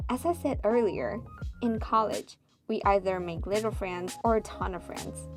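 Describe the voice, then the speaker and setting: A woman speaks at a moderate pace with a Chinese accent. Music plays in the background. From Taiwan. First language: Mandarin Chinese. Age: 20s. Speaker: podcast host. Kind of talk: podcast monologue. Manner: casual, humorous.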